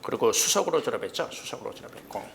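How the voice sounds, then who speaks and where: Brisk, joking man lecturing a class. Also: medium pitch, animated, slight background noise. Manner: brisk, asks students constant questions and quickly answers them himself; blunt and joking, with casual rough slang. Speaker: exam prep history lecturer. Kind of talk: lecture to students. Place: cram school lecture room.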